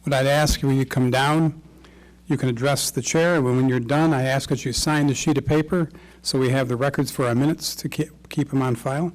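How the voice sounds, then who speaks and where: A man's voice: medium pitch, steady tone, fairly quick, rough recording. A man chairing a township planning commission meeting, reading formal procedural remarks.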